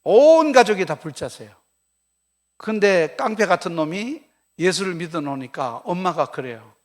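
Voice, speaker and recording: A man's voice: high-pitched, animated, normal speed. An older man preaching a revival sermon as a pastor, telling stories with acted quotes and questions put to the congregation. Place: church sanctuary.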